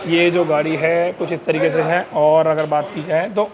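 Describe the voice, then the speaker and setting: A man who runs a motorcycle workshop, explaining a bike's faults in a quick, informal way and repeating points as he shows each part. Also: a little high, level tone, crowd noise. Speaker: motorcycle mechanic and channel host. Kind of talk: casual workshop walkthrough.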